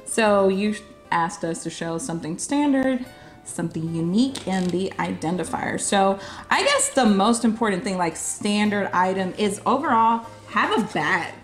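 A woman's voice: medium pitch, lively intonation, moderate pace, roomy sound, soft background music. A woman chatting casually on a video, showing her convention gear and laughing often. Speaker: YouTube convention reporter. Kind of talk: casual show-and-tell chat. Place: game room with arcade cabinets.

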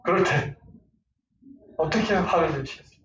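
Animated high-voiced man lecturing. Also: moderate pace. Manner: animated, laughing, acts out angry outbursts. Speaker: parenting lecturer. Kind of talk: lively lecture with role-play examples. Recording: far-off roomy lo-fi lecture recording with faint noise.

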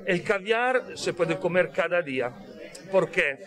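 Guy talking thru a face mask, high voice, lots of "ok?", crowd noise around. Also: animated, a little slow. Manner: didactic, frequent tag questions. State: speaking through a face mask. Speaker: caviar company representative. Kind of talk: explaining in an interview. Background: crowd chatter.

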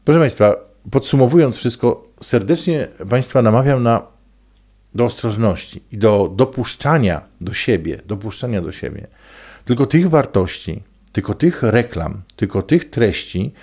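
A man's voice: medium pitch, darkish tone. A middle-aged man, a coach speaking in an emphatic, preachy and colloquial monologue to camera. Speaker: coach and trainer. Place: small indoor room. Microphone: desk microphone close in front.

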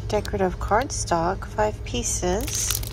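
A woman's voice: medium pitch, takes it slowly. Woman vlogger, leisurely and chatty, gushing over shelves on a phone mic; audible shop bustle. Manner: chatty, exclaiming over items. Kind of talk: shop-with-me vlog. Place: inside a large store. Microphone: handheld phone camera. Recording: store noise behind.

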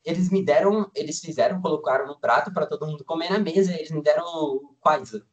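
A man's voice: fairly high pitch, fast, muffled recording. A nineteen-year-old Brazilian man, a student guest, chatting casually in an interview and rambling with lots of fillers. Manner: relaxed, rambling, many fillers like "tipo" and "assim".

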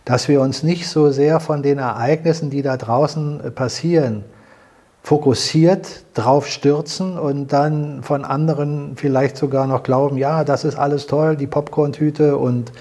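Earnest older man, dark husky voice. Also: fairly high pitch, steady tone, a little slow. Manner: earnest, explanatory, repeats himself while searching for words. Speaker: host. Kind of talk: salon conversation. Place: living room with fireplace, indoors.

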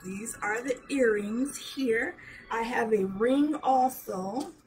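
A middle-aged woman with a hoarse voice, chatting casually as she shows jewelry to a webcam in a small room. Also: a little high, darkish tone, a little hiss or hum, poor audio. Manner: chatty, slow, showing items up close. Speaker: jewelry seller. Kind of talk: live sales show chat. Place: small decorated room indoors. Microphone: webcam at arm's length.

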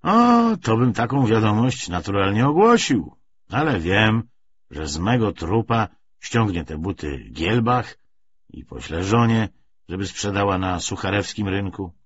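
A man's voice: lowish voice, expressive, a little slow, slightly rough, no echo. A man voicing a cynical, talkative male army propagandist in an audiobook, bantering and opinionated. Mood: wry, animated. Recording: dull lo-fi recording.

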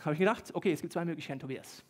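A high-voiced young man gives a sermon as a pastor, with quick jokes and an animated, playful delivery. He sometimes rushes ahead faster than his thoughts. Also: slightly rough. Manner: lively, joking, talks fast at times.

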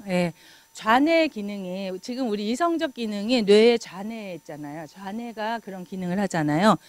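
A middle-aged woman giving a lecture in an animated way, laughing often and acting out remarks. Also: medium pitch, normal speed, no echo.

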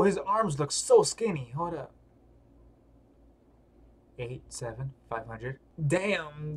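Slow-paced casual man streamer, higher voice. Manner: casual, slangy, muttering asides. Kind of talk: live webtoon read-along with casual reactions.

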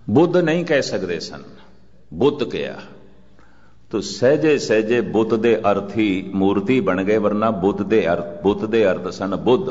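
Older male Sikh preacher, low measured voice, long hall reverb. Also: a little mellow. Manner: slow, measured delivery with chanted scripture quotes. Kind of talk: religious discourse. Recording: muffled archival recording with long reverb.

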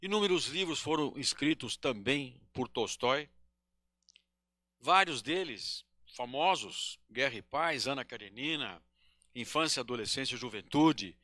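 An older man from Brazil gives a spiritist lecture from a podium into a handheld microphone. His voice is bright and slightly raised, and he speaks very slowly. He pauses often and corrects himself mid-sentence, and the sound stays dry and close despite the small hall. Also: mid-range voice, animated. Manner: slow, halting, with many pauses and self-corrections. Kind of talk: devotional lecture.

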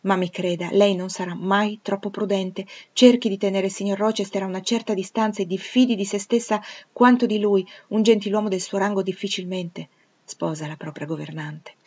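A cautious old housekeeper gives careful, earnest counsel, read by a woman. Her tone stays measured and a touch sceptical, with steady emphasis. The recording sounds slightly muffled. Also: medium pitch, lightly acted. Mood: warning.

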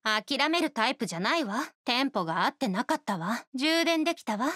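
A proud young oni woman from a video game, with a fairly high voice recorded dry and close. She is a star musician and a perfectionist. Her delivery is poised, exacting and sure of itself. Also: sing-song, a little fast, fairly bright tone, dry recording. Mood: determined. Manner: poised, self-assured, exacting. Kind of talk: Japanese video game character voice lines.

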